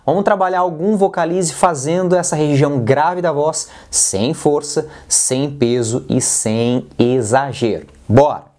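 A man's voice: on the high side, a little slow, a little mellow. A man with a Brazilian Portuguese accent teaching a singing lesson, coaching in a direct, playful way and demonstrating sounds. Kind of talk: vocal lesson with exercises.

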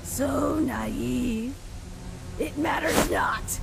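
A woman voicing a menacing female wolf monster in a comic dub, gravelly, with a condescending drawl. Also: high-pitched, very slow, heavily acted. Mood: mocking menace. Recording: music behind the voice.

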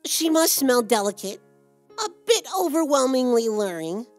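A woman's voice: high voice, animated, moderate pace, faint music behind. A woman voicing a lovesick, greedy male black cat sprite with a melodramatic, swooning manner in a cartoon dub. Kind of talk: comic dub cartoon acting.

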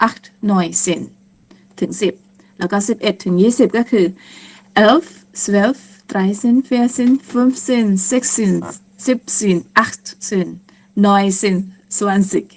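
A woman teaching a lesson on German numbers, speaking slowly and patiently and repeating each word several times. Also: mid-range voice, creaky. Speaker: language teacher.

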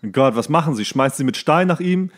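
A man's voice: on the high side, expressive, fairly quick. A man co-hosting a podcast, reacting to a show in casual, jokey banter full of mock-dramatic exclamations. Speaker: podcast host.

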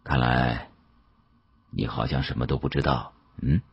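A man voicing a shrewd, amused older male official with a husky voice and a measured, knowing manner in an audiobook. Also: a bass voice, fairly even intonation, dull audio, pitched below the performer's own voice, exaggerated voice. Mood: probing.

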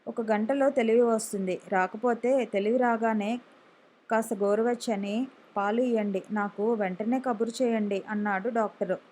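A woman's voice: a little high, fairly even intonation, normal speed, a little mellow. A woman narrating a story aloud as an audiobook reader, voicing the characters' pleas along the way. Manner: voices characters' emotional pleas within narration.

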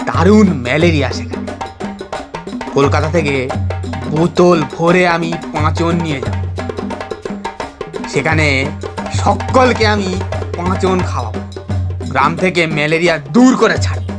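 A man's voice: fairly high pitch, unhurried, pauses often, natural voice. A man playing a bossy, grandiose young gang leader, declaiming and easily exasperated, in a theatrical audio drama. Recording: music behind the voice.

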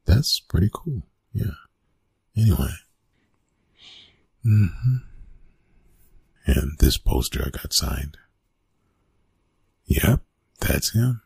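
A man playing a gruff, reluctant young college bully in an ASMR roleplay, talking in a hushed, halting, casual way. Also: deep voice, dry recording, heavily acted. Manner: hushed, halting, casual, often breathy whispering. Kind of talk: ASMR roleplay, intimate one-sided dialogue.

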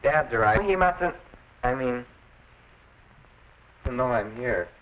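A man's voice: mid-range voice, lively intonation, slow pace. A young actor playing a nervous teenage boy who speaks hesitantly and sheepishly in a 1940s film. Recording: dull old film soundtrack.

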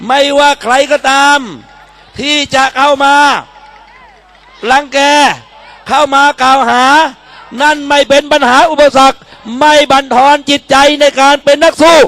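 A man's voice: very high-pitched, flat delivery, unhurried, a bit bright. A man speaking at a political rally, declaiming in short, emphatic phrases as he urges people to back a candidate. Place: public campaign rally in Thailand.

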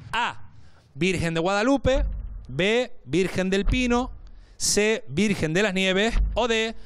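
A man's voice: high-pitched, animated, slow pace, a bit bright, smooth. A young man hosting an entertainment quiz, chatty and playful, repeating phrases for emphasis into a handheld microphone. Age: young adult. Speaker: TV show host. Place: large TV studio set with seated audience.

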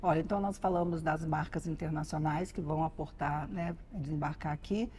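A woman's voice: sits low, fairly even intonation, brisk, warm tone. A Brazilian woman in her forties interviewing conversationally, often repeating words as she forms her questions. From Goiás, Brazil. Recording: faint ambient noise behind speech.

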